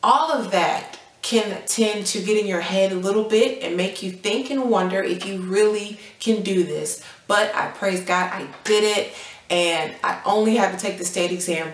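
Recorded with audible room echo, a woman talks with ordinary pitch variation. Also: moderate pace. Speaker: new real estate agent vlogger. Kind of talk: casual vlog chat. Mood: excited, celebratory.

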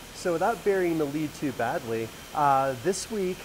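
Over noticeable background noise, a man's moderately paced speech shows ordinary pitch variation. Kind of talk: casual vlog chat. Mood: friendly, upbeat. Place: garage. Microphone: lapel.

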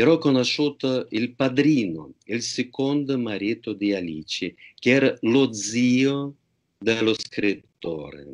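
At a very slow pace, a man with a Russian accent speaks with lively intonation against a quiet background. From Russia, St Petersburg. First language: Russian (speaking Italian). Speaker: historian; guest. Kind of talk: interview; interview answer. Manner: halting. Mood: calm, reminiscing. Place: home room. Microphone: video call.

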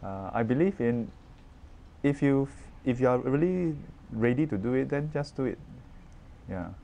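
Dark and mellow in tone, a man speaks at a moderate pace with ordinary pitch variation and long, frequent pauses. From Singapore. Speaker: Buddhist monk and Dharma teacher; Buddhist monk teacher. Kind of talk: Dharma talk. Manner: casual, with frequent fillers. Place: garden. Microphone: camera far.

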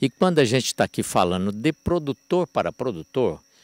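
A man speaks at a medium pitch and a moderate pace, with very wide pitch swings. The sound is dry with no echo. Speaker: cattle breeder; cattle breeder at auction. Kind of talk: sales pitch. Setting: outdoors. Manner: warm and enthusiastic.

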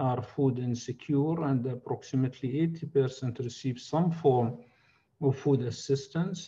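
A man's somewhat breathy, dark, mellow voice with an Arabic accent, fairly even intonation and a fairly slow pace. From Palestine. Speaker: psychiatrist; guest. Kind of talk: lecture. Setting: video call. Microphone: video call.

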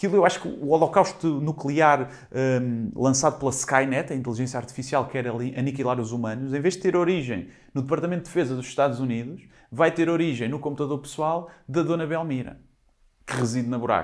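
In a European Portuguese accent, a man talks at a fairly quick pace. His pitch varies in an ordinary way against a quiet background. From Portugal. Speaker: stand-up comedian. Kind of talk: stand-up comedy. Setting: remote online event, no live audience. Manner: rapid, conversational, punchline-driven, animated. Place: studio.

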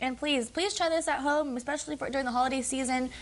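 A woman talks at a fast pace and a high pitch. Her intonation stays fairly even.

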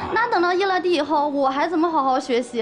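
Faint music plays in the background. The pace is fairly quick. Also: woman. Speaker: guest. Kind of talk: talk show account of a relationship conflict. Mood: aggrieved, complaining. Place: stage. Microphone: headset.

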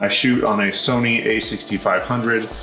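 There is light background noise and audible room echo as a man talks. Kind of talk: casual tour commentary. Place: garage.

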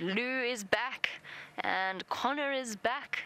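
A woman's lively intonation in a dry sound with no echo, over light background noise. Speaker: safari guide, presenter. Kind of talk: live commentary. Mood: cheerful, amused. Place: car.

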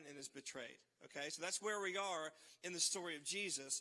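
A man talks at a moderate pace in a high voice with ordinary pitch variation. The background is quiet. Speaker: pastor. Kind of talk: sermon. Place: church. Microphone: handheld.

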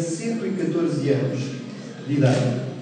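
A man speaks at a moderate pace with strong room echo and light background noise. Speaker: documentary director / producer. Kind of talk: speech at a documentary presentation. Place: hall.

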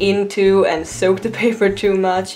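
A woman at a medium pitch with a non-native accent, over noticeable background noise. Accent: non-native English, says 'cheap' like 'sheep'. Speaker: artist. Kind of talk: casual art tutorial voice-over.

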